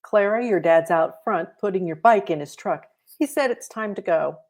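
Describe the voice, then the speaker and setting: A woman's voice: medium pitch, normal speed, a little mellow, close to an everyday voice. A woman voicing a kindly, upbeat mother in a children's storybook, speaking in an encouraging way. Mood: friendly.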